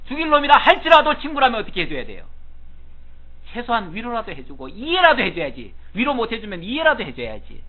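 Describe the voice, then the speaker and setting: High-pitched guy preaching, voice jumping all over, sounds like it's over a phone. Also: phone-quality sound. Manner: animated, acts out Job's words with rising emphasis; chuckles between points, conversational asides. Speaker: pastor. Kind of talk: expository Bible sermon.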